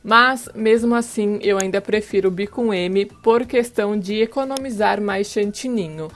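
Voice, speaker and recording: With background music underneath, a cake decorating channel host presents a relaxed tutorial through a lapel mic. She's a Brazilian-accented woman in her thirties, speaking at normal speed with a medium-pitched voice.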